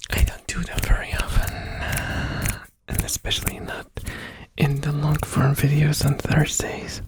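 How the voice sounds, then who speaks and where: A man whispers in a put-on character voice that is hoarse. He goes at a moderate pace and leaves long, frequent pauses. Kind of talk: ASMR whisper and soft talking. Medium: solo performance. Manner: gentle, rambling, giggly.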